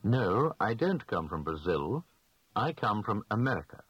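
Male, low and slightly husky, precise enunciation for a recorded language drill, dry sound. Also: very animated, no echo, highs cut off. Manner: slow, clearly enunciated answers. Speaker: language lesson speaker.

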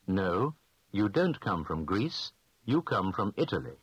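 A man giving slow, clearly spoken answers in a scripted language lesson drill. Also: low voice, sing-song, no echo, low-quality recording.

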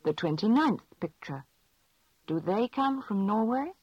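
Husky woman asking drill questions, lo-fi. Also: medium pitch, lively intonation, a little mellow, dry recording. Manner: clear, measured prompting questions. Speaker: language lesson speaker. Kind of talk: scripted language drill. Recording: dull lo-fi dry recording.

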